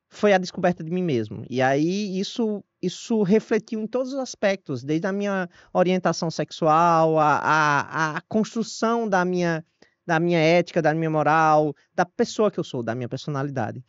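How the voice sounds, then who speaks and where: A man with a northeastern Brazilian accent, a guest historian telling his own story in an interview, animated and self-deprecating. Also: fairly high pitch, normal speed, dry recording. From Northeast Brazil (Paraíba, Ceará). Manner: animated, self-deprecating, frequent restarts and laughs. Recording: dull lo-fi dry audio.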